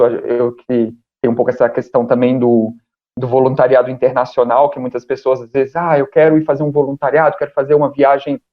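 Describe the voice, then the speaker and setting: A man, speaking as a podcast guest, thinking aloud with frequent pauses and fillers. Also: medium pitch. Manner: thoughtful, hesitant, many fillers. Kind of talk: casual conversation. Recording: dull lo-fi sound.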